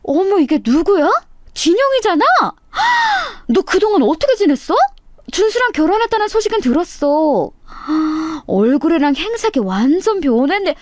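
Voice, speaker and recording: A woman's voice: extremely high pitch, sing-song, brisk, mellow, no echo, clean studio sound, voice pushed up. A woman voicing gushing women classmates who greet an old friend effusively.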